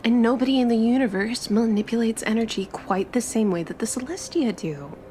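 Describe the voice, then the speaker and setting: A woman's voice: a little high, brisk, warm tone, a little hiss or hum, lightly acted. A woman playing an eager, chatty young traveler in a tabletop roleplay, with gushing, informal, stop-start chatter. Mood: eager, insistent.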